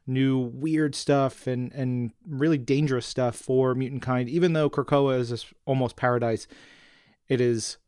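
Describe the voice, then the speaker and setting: A man co-hosting a podcast, chatting informally and emphatically about comic-book news with excitable enthusiasm. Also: medium pitch, unhurried, clean tone, dry recording, studio quality. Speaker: podcast co-host.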